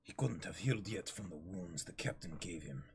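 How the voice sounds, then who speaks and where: A man's voice: sits low, lively intonation, normal speed, gravelly, breathy edge. A man in his twenties co-reading a manga dramatically, with casual asides. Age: 20s. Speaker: co-reader of a manga. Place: small indoor room in front of a backdrop.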